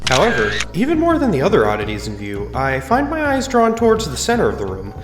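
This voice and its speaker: A man's voice: on the high side, huge pitch swings, fast, over loud music. A man playing a curious, observant visitor, narrating an audio drama in the first person with a wry tone. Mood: intrigued. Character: curious, observant, tactful adult male visitor. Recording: very echoey room, reverberant.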